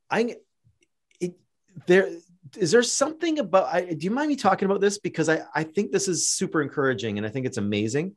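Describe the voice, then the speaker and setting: A man with a Canadian accent hosting a podcast, talking casually and encouragingly to a guest, with many fillers and restarts. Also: lowish voice. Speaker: podcast host. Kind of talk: casual interview chat.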